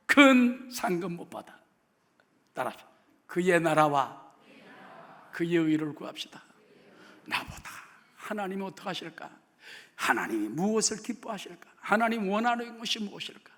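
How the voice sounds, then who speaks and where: A man's voice: high-pitched, bright, forceful tone. A male pastor preaching a sermon in a church, with emphatic, rising exhortations. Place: large church sanctuary. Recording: long reverb of a large church hall.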